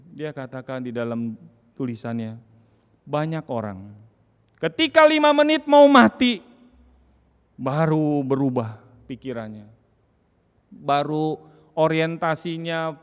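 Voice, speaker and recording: A man preaching a sermon as pastor, dramatic, swinging from loud cries to hushed tones. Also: mid-range voice. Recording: long hall reverb.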